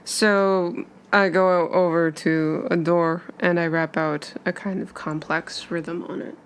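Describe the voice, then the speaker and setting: A woman's voice: lowish voice, flat delivery, measured pace, a little hiss or hum. A woman player narrating her character's actions in a tabletop roleplaying game, improvising as she goes.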